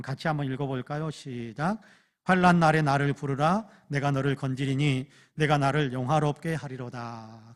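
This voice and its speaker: Fervent Korean pastor preaching. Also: male voice, on the high side. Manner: earnest preaching, swings between loud fervent prayers and quiet asides. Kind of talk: sermon. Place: church.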